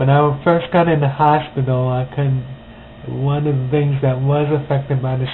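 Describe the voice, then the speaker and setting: A man with a medium-pitched voice speaks fairly slowly in a flat monotone, with audible room echo and noticeable background noise. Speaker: stroke survivor. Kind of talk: personal testimony. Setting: at home. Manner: slightly impeded speech; halting, many fillers.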